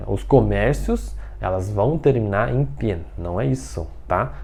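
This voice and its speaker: A man teaching an online language lesson in a chatty way. He repeats words slowly and ends most phrases with tag questions. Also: mid-range voice, mellow. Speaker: Mandarin teacher.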